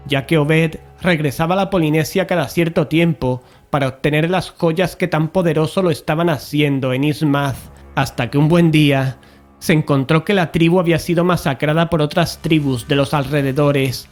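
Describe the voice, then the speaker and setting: Higher-voiced Spanish man telling a horror tale as an actor. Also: natural voice. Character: male investigator recounting a cosmic horror expedition. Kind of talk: scripted audio drama narration.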